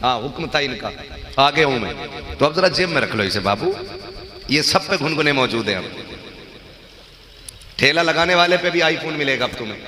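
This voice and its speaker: Guy preaching, teasing the crowd and leading chants, bright tone, big echoey hall. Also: on the high side, expressive, normal speed, long pauses. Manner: banters with the crowd and calls out slogans for them to answer. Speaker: religious speaker. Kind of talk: sermon to a live gathering.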